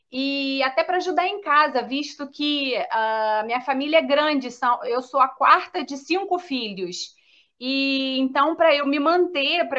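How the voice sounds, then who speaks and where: A raised, projected voice with a bright, sharp tone stands out against a quiet background. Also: woman. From Brazil, Minas Gerais. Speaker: mother in a heritage-language group, psychologist. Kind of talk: personal life story in a live interview. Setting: online live stream.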